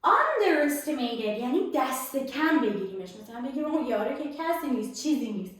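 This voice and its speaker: A young woman teaching English vocabulary at a whiteboard, stretching out the English example words slowly as she explains them. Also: high-pitched, very animated, fairly bright tone. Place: classroom with a whiteboard. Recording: very echoey room.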